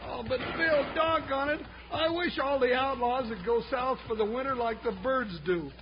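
A man playing a big, good-hearted comic cowboy deputy in an old radio western, folksy and whiny in a high-pitched voice. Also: moderate pace. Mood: grumbling. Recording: noisy, muffled vintage radio recording.

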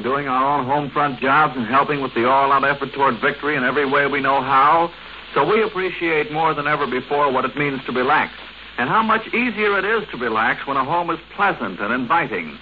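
A man announcing in a polished, formal 1940s radio style, promoting products and programs. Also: a little high. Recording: muffled, noisy 1940s radio recording.

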